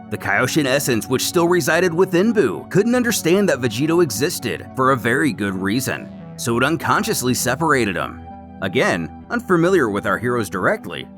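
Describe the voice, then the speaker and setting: A man's voice: mid-range voice, fairly bright tone. A man narrating a scripted story recap as the storyteller. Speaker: narrator recapping a comic series.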